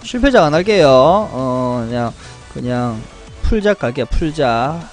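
A young man commentating his game card and pet draws, greeting viewers and chanting loudly when good results come up. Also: medium pitch, a little slow, faint music behind. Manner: animated, chants and shouts at good pulls. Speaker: game streamer. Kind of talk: excited gacha pull commentary.

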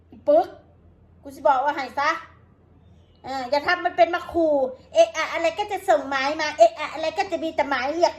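A woman with an Isan accent, talking straight to her viewers in an angry, combative rant full of curses. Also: high voice. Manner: coarse, combative, cursing. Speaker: vlogger.

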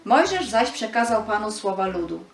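A woman's voice: medium pitch, sing-song, normal speed, creaky, roomy sound, faint music behind. A woman giving a scripted narration of a Bible story for children.

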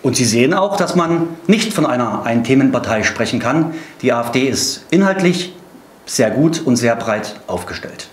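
A man's voice: medium pitch, expressive, normal speed, reverberant, slight background noise. A middle-aged man delivering a political statement to camera as a party spokesman.

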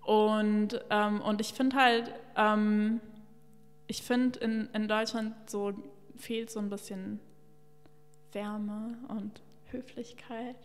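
A woman's voice: mid-range voice, little pitch movement, takes it slowly. A young woman from Luxembourg, a journalist and podcast guest, talking candidly and with opinions into a stand mic, with many fillers. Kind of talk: casual interview talk. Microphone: studio mic on a stand. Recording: long reverb of a bare room.

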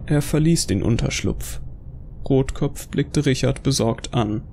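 Gravelly male narrator. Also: mid-range voice, measured pace, warm tone, a little hiss or hum. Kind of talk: scripted audio drama narration.

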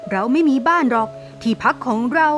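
A woman's voice: high voice, lively intonation, fairly quick, fairly bright tone, dull audio, faint music behind, voice pushed down. A woman voicing a kind, earnest young son of a poor mother in a cartoon story. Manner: polite, earnest.

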